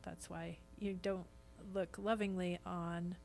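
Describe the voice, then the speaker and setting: A woman's voice: on the low side, flat delivery, takes it slowly, gravelly, a little mellow, slight background noise. A woman talking conversationally as a guest on a podcast. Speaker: podcast guest, stage actor. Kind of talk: casual conversational podcast chat.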